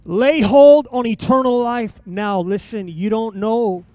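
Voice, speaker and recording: High-voiced preaching man, mellow tone. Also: no echo, faint music behind. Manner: emphatic preaching with dramatic pauses. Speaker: pastor. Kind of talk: sermon. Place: church sanctuary.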